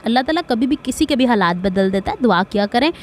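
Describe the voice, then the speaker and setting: A woman's voice: on the high side, expressive, slight background noise. A middle-aged woman from Pakistan with a Punjabi accent, giving a chatty sewing tutorial and wandering into asides and blessings. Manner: speaks slowly on purpose. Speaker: sewing vlogger.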